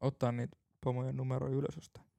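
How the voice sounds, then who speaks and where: A man's voice: medium pitch, level tone, gravelly, mellow, no echo. A man co-hosting a casual podcast, teasing his friend with dry irony. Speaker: podcast co-host.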